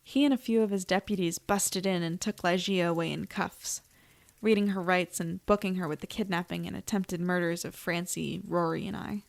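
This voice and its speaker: A woman's voice: lowish voice, steady tone, moderate pace, vocal fry, no room sound. A woman playing a plucky young investigator in an audio drama, casual and wry as she speaks. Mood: wry, shaken. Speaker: lead character and narrator. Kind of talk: audio drama acting, conversational narration.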